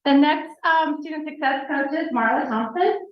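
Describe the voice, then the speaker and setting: A woman's voice: sits high, moderate pace. A woman who directs a college advising office, presenting new staff at a board meeting in an upbeat, enthusiastic way. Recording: echoey room, dull lo-fi sound.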